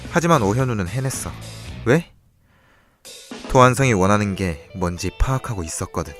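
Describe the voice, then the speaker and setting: A young man playing a cool, calculating character who reveals a crime's secrets in a measured, knowing way in an audio drama. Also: on the low side, animated, a bit bright, soft background music. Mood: grave, explaining. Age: young adult. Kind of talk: audio drama acting, expository dialogue.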